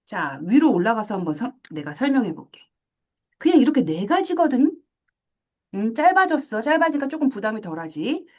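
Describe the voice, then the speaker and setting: Animated woman teaching math. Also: on the high side, normal speed, muffled recording. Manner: animated, asks questions and acts out little scenes. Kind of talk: classroom lecture.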